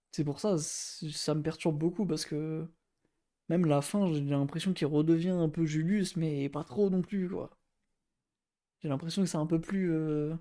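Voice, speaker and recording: A man's voice: on the high side, mellow. A man streaming his reaction to an album, talking casually and hesitantly while he searches for his words. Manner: hesitant, searching for words, fillers like "euh" and "hein". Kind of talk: casual thinking-aloud reaction.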